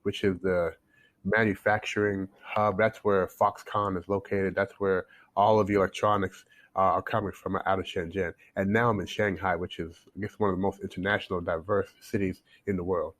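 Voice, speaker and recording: Male podcast guest, 40s, from Canada, low-pitched, chatty storyteller who stumbles and restarts. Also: level tone, normal speed, fairly bright tone. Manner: talkative, storytelling with restarts and repeated words. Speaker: guest, coach. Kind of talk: casual interview talk. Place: home in China, remote call.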